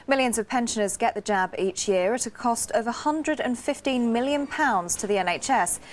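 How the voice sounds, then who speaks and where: A woman presenting a morning news bulletin in crisp, measured scripted reading. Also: medium pitch, slight background noise.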